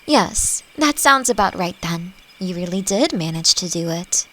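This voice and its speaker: A woman playing a friendly, playfully teasing elf who teaches magic, speaking gently and reflectively in a roleplay audio drama. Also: lowish voice, animated, a little slow, full character voice. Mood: calm, reflective. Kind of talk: scripted roleplay audio drama addressed to the listener.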